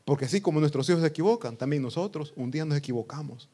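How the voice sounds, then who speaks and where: A pastor preaching a sermon to his congregation, breaking into loud outbursts and acting out what people say. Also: a little high, expressive, very fast, husky. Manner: preaching with sudden loud outbursts and acted quotes.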